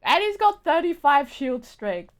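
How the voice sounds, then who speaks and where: A woman's voice: sits high, sing-song, measured pace. A woman chatting casually as she live-streams a video game, rambling and often restarting her phrases. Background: game music.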